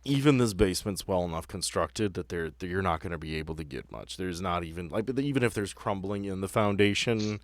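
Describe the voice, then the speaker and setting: A man's voice: sits low, brisk, hardly any pauses, no echo. A man acting as game master, improvising scene narration and bantering with his players.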